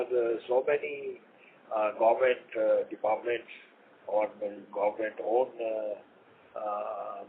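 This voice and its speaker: A male company executive with an Indian accent speaks over a thin phone connection with faint noise. He sits in a middle register and gives formal, wordy answers that come out haltingly. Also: mid-range voice. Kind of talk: answering questions on an earnings call. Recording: noisy, narrow phone conference line.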